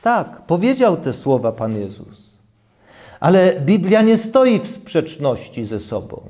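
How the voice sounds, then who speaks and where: A man in his sixties preaching a sermon and reading scripture in a deliberate, emphatic way, repeating key phrases. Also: fairly high pitch, very animated, mellow. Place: small church room, at a lectern.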